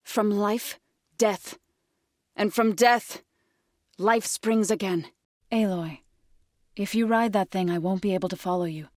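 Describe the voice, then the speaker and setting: A woman's voice: mid-range voice, dry recording, close to an everyday voice. Zo, earnest tribal warrior woman played by an actress, dry sound. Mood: earnest, caring. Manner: measured, formal, earnest phrasing. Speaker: video game voice actor. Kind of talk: game character voice lines.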